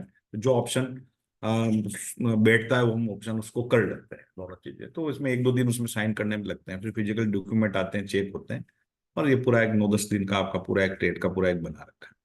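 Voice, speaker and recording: A man with a low-pitched Indian-accented voice speaks as a company executive on an earnings call. He explains processes point by point, often restating a phrase to drive it home. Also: a little fast. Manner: repeats phrases for emphasis. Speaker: company executive answering questions.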